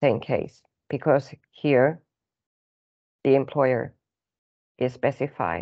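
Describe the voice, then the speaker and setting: A woman's very deep, low voice with vocal fry and a Finnish accent, at a very slow pace with long, frequent pauses. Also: ordinary pitch variation. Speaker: business advisor. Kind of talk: webinar presentation. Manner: halting.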